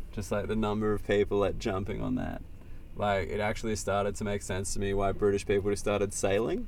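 This man speaks very fast with an Australian accent. His fairly low voice stays monotone and flat. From Australia, Sydney suburbs. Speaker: guest. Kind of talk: casual chat.

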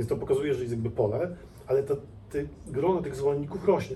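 Talking at a very fast pace, a man with a fairly high pitch is heard over noticeable background noise and audible room echo. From Poland, Lower Silesia (Bolesławiec). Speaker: head of a polling company. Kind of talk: interview. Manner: halting, many fillers.

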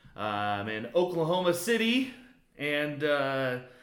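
This man's voice sits fairly high for a man, with an American accent. The recording carries noticeable background noise and audible room echo. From Iowa, US Midwest. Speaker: podcast host and improviser. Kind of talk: casual chat and improv scenes. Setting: on location in Oklahoma City.

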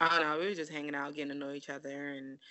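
Fairly even intonation with an American accent. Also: woman. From New York, Brooklyn (Flatbush). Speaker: podcast co-host telling her life story. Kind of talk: casual interview.

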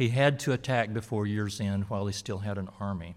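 Using a normal speaking voice with an American accent, a man talks at a fairly quick pace with fairly even intonation in a very clean recording with a silent background. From US South. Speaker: retired judge giving a lecture. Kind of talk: lecture. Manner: formal.

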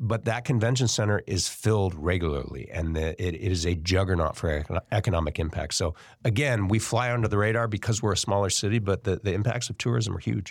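On a very clean recording with a silent background, a man with an American accent talks at a very fast pace with hardly any pauses, a fairly low pitch and ordinary pitch variation. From northern California (Davis, Bay Area). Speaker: tourism bureau executive. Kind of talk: interview.

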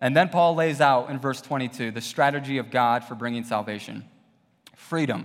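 A man talks in an ordinary speaking voice. His pitch is medium, with ordinary variation. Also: moderate pace. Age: 20s. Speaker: pastor. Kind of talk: sermon. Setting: church.

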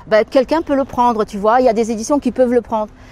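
The voice belongs to a woman and sits high. Her intonation is fairly even. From Portugal, moved to France at 14. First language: Portuguese (speaking French). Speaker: therapist and author. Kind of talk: interview. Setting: at a seminar event. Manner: halting, repeats words.

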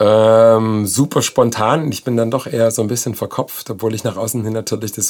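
Pitched at a medium level, a man talks with fairly even intonation. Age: 50s. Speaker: podcast host. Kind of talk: casual chat. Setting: studio. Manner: hesitant, many fillers.

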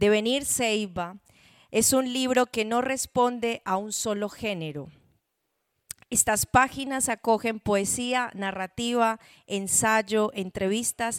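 A woman speaks very slowly at a fairly high pitch with ordinary pitch variation, her voice dry and close with no echo on a very clean recording with a silent background.

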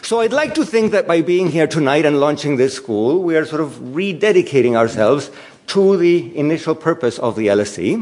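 Against noticeable background noise, a man with a Spanish accent speaks at a moderate pace and a fairly high pitch, making very wide pitch swings at very even loudness. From Chile. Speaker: public policy dean, economist. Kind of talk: lecture. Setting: stage with audience.

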